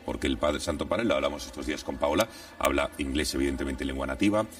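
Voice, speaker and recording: A talk show host with a Catalan accent and a very deep voice. He builds long, expansive sentences. His voice sounds a little distant from the microphone. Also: fast. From Catalonia, Spain. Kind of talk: television talk show discussion.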